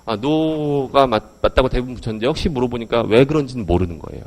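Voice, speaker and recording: A male lecturer talks fast to a hall audience through a handheld mic. His pitch leaps up and down as he fires questions at the crowd, and the delivery stays animated throughout. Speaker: English education lecturer.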